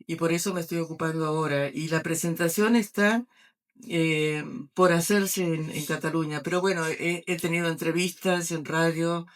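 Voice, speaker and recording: An older woman with an Argentine accent, an author answering questions at a book presentation, speaking haltingly with many fillers and restarts. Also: low voice, steady tone. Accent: Argentine Spanish.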